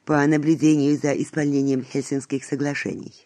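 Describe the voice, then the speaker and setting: A man hosting a formal radio interview, asking measured questions. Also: medium pitch, flat delivery, a little mellow.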